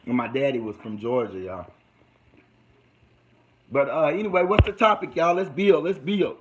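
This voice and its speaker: A man's voice: on the high side, normal speed, rough recording. A young man with a mixed Texas and California accent, talking casually to viewers on a livestream, slangy and calling them y'all. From United States. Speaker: livestream host.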